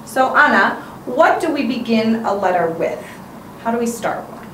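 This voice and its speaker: A woman teacher giving clear, encouraging instruction, in the style of a lesson. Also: fairly high pitch, animated, moderate pace. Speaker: English teacher. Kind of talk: instructional narration and classroom teaching. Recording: roomy echo, faint background noise.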